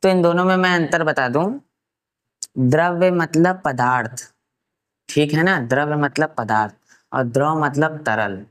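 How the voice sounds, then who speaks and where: A man from Uttar Pradesh giving a science lesson, asking rhetorical questions and answering them himself, and slowly repeating key terms for note-taking. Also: fairly high pitch, a bit bright. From Uttar Pradesh, India. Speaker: science teacher. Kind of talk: classroom science lecture.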